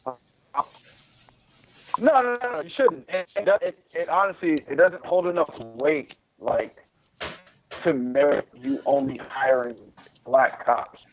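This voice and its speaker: A man's voice: fairly high pitch, slow, long pauses, noisy background. Man on a choppy, breaking-up video call. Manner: emphatic, repeats words in bursts. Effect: choppy video call audio breaking up. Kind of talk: casual political chat. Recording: dull lo-fi video call line.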